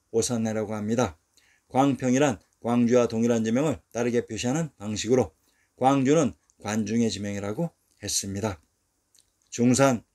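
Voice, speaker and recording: Measured man narrating history, listing place names. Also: mid-range voice. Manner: measured reading, falling and quieter at sentence ends; lists place names one by one. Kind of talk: scripted narration reading from historical texts.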